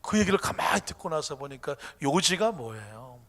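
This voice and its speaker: A man's voice: on the high side, sing-song, normal speed, a bit bright. A male pastor preaching a Sunday sermon in an emphatic style, full of rhetorical questions. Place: church sanctuary. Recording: long reverb of a church hall.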